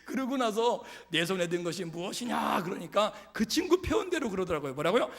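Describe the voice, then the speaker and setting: A middle-aged man preaching a sermon to his congregation, asking them questions and swinging from loud calls down to whispers. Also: high-pitched. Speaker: pastor. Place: church sanctuary.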